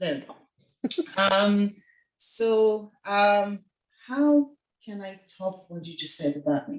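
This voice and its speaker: Speaking very slowly with a French accent, a woman uses a medium pitch, very wide pitch swings and a somewhat breathy sound. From France, Paris. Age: 50s. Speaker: author and businesswoman. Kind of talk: online seminar talk.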